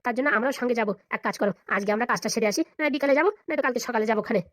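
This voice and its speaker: Someone voicing a fawning, fast-talking Bengali cartoon assistant. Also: mid-range voice, a bit bright, dry recording, clean studio sound. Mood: wheedling. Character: fawning, sly servant-assistant to a politician's family. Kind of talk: Bengali comedy cartoon voice acting.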